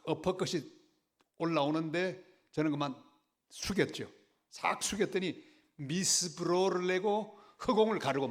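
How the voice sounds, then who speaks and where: An older man preaching a sermon, telling a story in an animated way with dramatic swings in pitch and loudness. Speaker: pastor.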